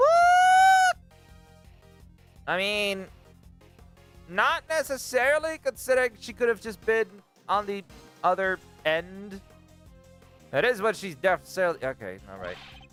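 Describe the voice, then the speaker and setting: A man uses a put-on character voice, drawling at a moderate pace in a high pitch with very wide pitch swings. Long, frequent pauses break up his speech over faint music in the background. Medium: game stream. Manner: folksy, brash, drawling.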